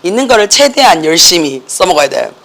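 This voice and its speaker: A middle-aged teacher with a Gyeongsang Korean accent and a hoarse voice, lecturing a class in an animated, joking way and slipping English words into the talk. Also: medium pitch, brisk.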